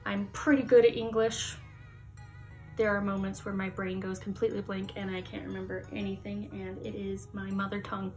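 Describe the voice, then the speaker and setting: A young woman from the United States chatting casually to the camera in her vlog, lively and laughing often. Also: mid-range voice, normal speed, soft background music. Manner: chatty, laughs often, animated hand gestures. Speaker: YouTuber. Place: Halloween-decorated room indoors.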